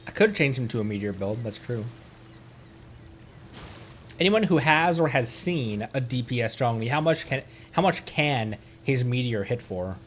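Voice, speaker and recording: A man's voice: medium pitch, lively intonation, moderate pace, slight background noise. A man giving casual gaming commentary as he hosts a livestream, chatting to his viewers. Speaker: livestream host playing a video game. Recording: game music behind. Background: video game music.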